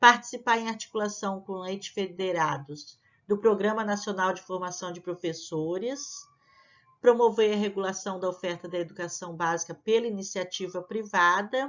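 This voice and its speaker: Here is a woman in a plain, everyday voice. She speaks at a moderate pace with ordinary pitch variation. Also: medium pitch for a woman, big swings in loudness. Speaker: teacher preparing candidates for a public exam. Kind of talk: reading aloud of legislation; tutorial.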